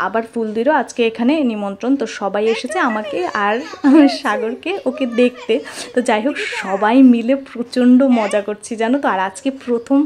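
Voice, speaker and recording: A woman's voice: fairly high pitch, darkish tone. A young woman narrates a personal vlog casually, chatting straight to her viewers with little tag questions. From rural Tripura, India. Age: young adult. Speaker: vlogger.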